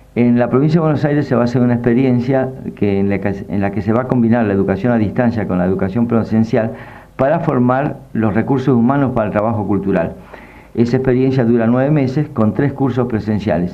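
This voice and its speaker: At a fairly quick pace and very even loudness, the speaker shows ordinary pitch variation against noticeable background noise and audible room echo. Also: man, medium pitch for a man. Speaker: sociologist and educator. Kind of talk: radio interview.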